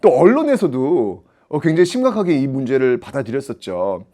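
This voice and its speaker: A man's voice: mid-range voice, sing-song, brisk, warm tone. A man teaching history in an audio-only exam prep lecture, talking to students with rhetorical questions and frequent laughs.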